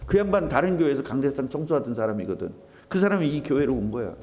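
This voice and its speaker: Lively animated male pastor preaching. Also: mid-range voice, quick pace. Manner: animated, conversational preaching with mimicked voices. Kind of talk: sermon. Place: church sanctuary. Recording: reverberant church hall.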